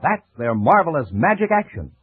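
A man announcing on a 1940s radio show, reading sponsor pitches and game updates. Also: very animated, moderate pace, husky, dry recording. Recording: muffled, dry old radio recording.

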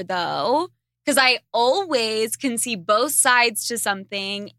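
A woman's voice: on the high side, bright, forceful tone, no room sound, clean studio sound. A young woman hosting a casual podcast, reading out listener questions and answering bluntly, with crude jokes and frequent laughter. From Argentine family. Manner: blunt, crude, laughs often while talking. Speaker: podcast host.

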